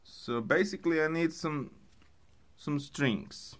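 A man who speaks English as a second language, presenting an unscripted hands-on music gear tutorial in a halting way, thinking aloud. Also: fairly high pitch, a bit bright, a little hiss or hum. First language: not English.

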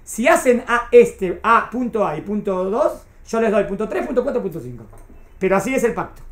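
A woman's voice: medium pitch, lively intonation, brisk. Woman teacher in an echoey classroom. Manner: explains patiently, keeps checking if students follow. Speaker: Torah teacher. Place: classroom with a small group.

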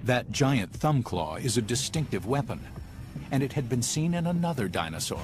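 A man's voice: mid-range voice, very animated, moderate pace. A man narrating a nature documentary in a scripted, dramatic and emphatic style. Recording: music under the voice. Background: dramatic background music.

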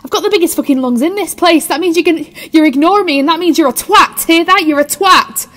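An actress playing an injured, desperate research scientist with a blunt, sharp tongue and urgent manner in an audio drama. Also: female voice, very high-pitched, fast talker. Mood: agitated.

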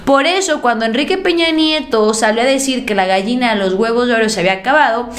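Young Mexican-accented woman commentator, higher voice, punchy and sarcastic, echoey room. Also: fast. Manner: emphatic, sarcastic, animated pitch swings. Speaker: political commentator. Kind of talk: opinionated news commentary. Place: indoor room at a desk. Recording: roomy echo.

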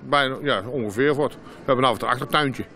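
A man's voice: medium pitch, quick pace, creaky, sharp tone. A man in his sixties with a broad Dutch accent from Brabant, chatting casually in a street interview. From Brabant, Netherlands. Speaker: market passer-by being interviewed. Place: outdoor market street. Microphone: handheld interview microphone. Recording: outdoor street with faint noise.

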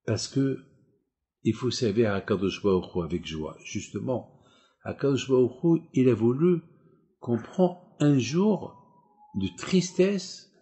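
Mellow-voiced rabbi, emphatic sermon. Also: male voice, medium pitch. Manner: repetitive, emphatic rhetorical questions.

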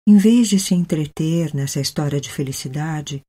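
A Brazilian woman leading a guided meditation, speaking gently and soothingly with long pauses. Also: low voice, husky.

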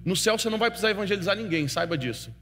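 A man preaching a sermon, telling a story with feeling and swinging from hushed to loud. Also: sits high, rapid-fire. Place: church hall. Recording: long hall reverb with faint music.

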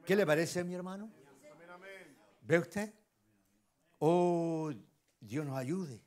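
A man with a Chilean accent preaching a sermon, often turning to the congregation with questions and swinging between loud exclamations and hushed asides. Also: on the high side, takes it slowly. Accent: Chilean Spanish. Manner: emphatic, keeps asking the congregation rhetorical questions. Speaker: lay preacher.

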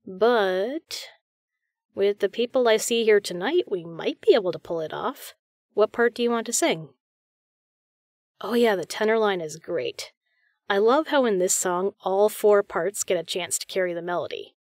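A woman's voice: mid-range voice, moderate pace, a little mellow, no room sound, clean studio sound, lightly acted. A woman playing a friendly, chatty, reassuring female caroler in a one-sided roleplay audio conversation. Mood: cheerful, chatty. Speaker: voice actor.

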